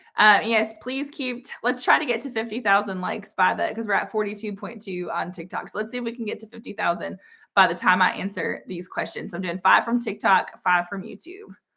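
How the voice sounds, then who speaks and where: A woman at a medium pitch with a bright, sharp tone and vocal fry, talking at a fairly quick pace with hardly any pauses, ordinary pitch variation and big swings in loudness, on a very clean recording with a silent background. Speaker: AP English teacher and exam-prep creator. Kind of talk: live-stream Q&A. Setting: livestream on TikTok and YouTube. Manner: fast; casual, with many fillers.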